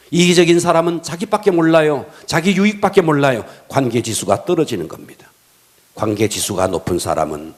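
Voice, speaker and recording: A male pastor preaching a sermon, telling illustrative stories and letting his sentence ends fall to a whisper. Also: on the high side. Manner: animated delivery, drops to a whisper at sentence ends; tells illustrative stories to the congregation.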